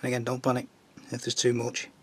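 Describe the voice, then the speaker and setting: A man with a Northern English accent talks through his model painting in a relaxed, chatty way. His voice is husky and slightly strained, as if still getting over a throat illness. It sits at an ordinary middle pitch. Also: quick pace. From Northern England. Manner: chatty, jokey asides while working. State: recovering from tonsillitis, voice strained. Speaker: scale model builder. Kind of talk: casual tutorial while painting a model.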